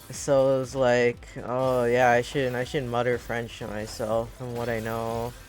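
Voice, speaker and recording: Against noticeable background noise, a man with an American accent speaks at a medium pitch. His delivery is fairly slow and monotone, with flat intonation and hardly any pauses. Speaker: game commentator / streamer. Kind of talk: live commentary; casual chat. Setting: livestream.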